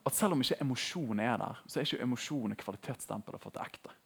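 A young man giving a casual, animated sermon in a conversational tone. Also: mid-range voice, vocal fry, slightly rough. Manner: conversational, animated, laughing at his own jokes. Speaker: preacher.

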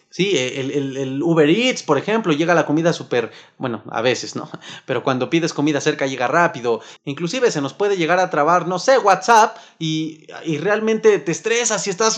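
A man with a Mexican Spanish accent giving a motivational self-help talk, lively and acting out little stressed outbursts. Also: fairly high pitch.

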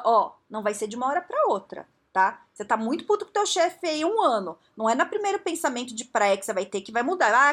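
A woman coach giving a podcast talk, speaking straight to the listener with quick rhetorical questions. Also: on the high side, fairly bright tone, breathy edge. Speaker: coach working with strategy. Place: São Paulo.

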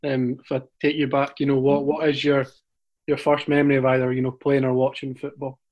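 A man interviewing a guest, asking measured, hesitant questions. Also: mid-range voice, completely flat delivery, highs cut off. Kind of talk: casual interview.

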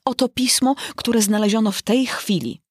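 A woman reading aloud and voicing a nervous, servile white rabbit courtier in a high voice. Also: moderate pace, husky, no room sound, clean studio sound.

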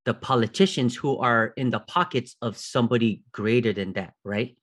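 A middle-aged man of Filipino heritage in casual podcast chat, animated and rising in pitch when he makes a point. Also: normal speed, breathy edge.

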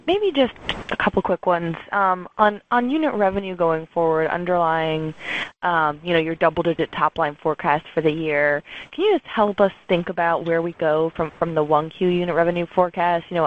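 A woman working as a financial analyst, asking questions casually on an earnings call over a muffled phone line. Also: on the low side.

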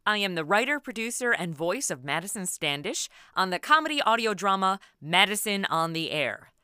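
A woman's voice: mid-range voice, big pitch swings, normal speed, bright, forceful tone, clean tone, dry recording, studio quality. A woman reading a scripted introduction as the writer and producer of an audio show.

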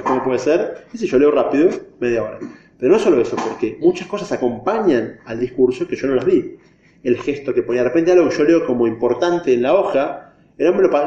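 A male teacher leads a classroom lesson, explaining ideas step by step and throwing questions to the class. His voice sits at an ordinary middle pitch. The recording is dull and lo-fi, with a roomy echo. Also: mellow. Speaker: religion teacher. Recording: echoey, dull lo-fi room recording.

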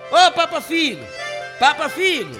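A man's voice: very high voice, very animated, a little slow, exaggerated voice. A man playing an earnest, lovesick cowboy in a Brazilian radio play, speaking in a dramatic, pleading way. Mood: fearful. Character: earnest lovesick cowboy searching for his beloved. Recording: music behind, long reverb.

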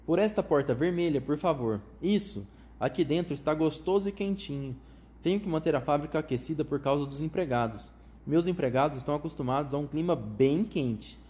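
A man voicing an eccentric, excitable chocolate factory owner with a high, flute-like voice who gushes out strings of welcomes. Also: close to an everyday voice. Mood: cheerful. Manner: gushing, rapid strings of enthusiastic welcomes.

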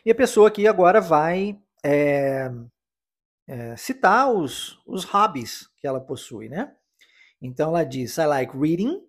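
A man's voice: fairly high pitch, expressive, measured pace. A man from Brazil, teaching English in a podcast lesson and repeating phrases for practice. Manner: explanatory, repeats phrases for drill.

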